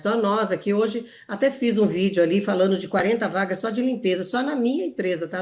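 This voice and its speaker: With an unremarkable speaking voice, a woman talks at a fairly quick pace, her medium pitch showing ordinary variation. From interior of Paraná, Brazil. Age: 60s. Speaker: HR company founder. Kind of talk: interview.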